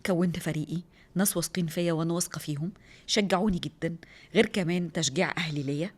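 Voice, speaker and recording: A woman in her thirties with an Egyptian Arabic accent, a rally driver telling her story in a lively, excitable way as an interview guest. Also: on the low side, very fast. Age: 30s. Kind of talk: casual interview talk.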